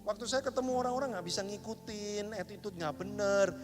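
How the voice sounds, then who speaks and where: A high-pitched man preaches in church, shifting between quiet, intimate passages and loud, emphatic outbursts. His talk is loose and slangy. Music plays clearly behind him. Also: fairly quick. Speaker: pastor. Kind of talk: sermon.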